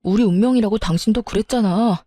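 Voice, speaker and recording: A woman's voice: mid-range voice, quick pace, dark tone, dry recording, studio quality, natural voice. A woman voicing a weak, self-serving young husband who begs his wife not to leave. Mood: pleading. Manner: begging, whiny.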